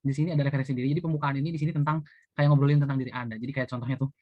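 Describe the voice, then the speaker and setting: Fast-talking young man explaining. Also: mid-range voice, fairly even intonation, dry recording, narrow, tinny audio. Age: young adult. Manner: chatty, many fillers like gitu and eee. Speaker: university student presenting. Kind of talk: casual explanatory lecture.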